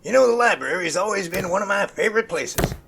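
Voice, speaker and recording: An actor playing an enthusiastic, bookish professor in an audio drama, eager and folksy. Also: male voice, high-pitched, expressive, fast, gravelly, background noise. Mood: eager, nostalgic.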